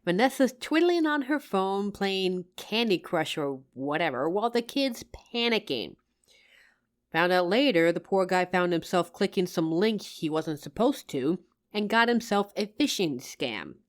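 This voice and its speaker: A woman's voice: mid-range voice, unhurried. A woman playing a loving, teasing working wife, tired after work, in an affectionate roleplay addressed to the listener. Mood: exasperated. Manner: affectionate, playful, expressive.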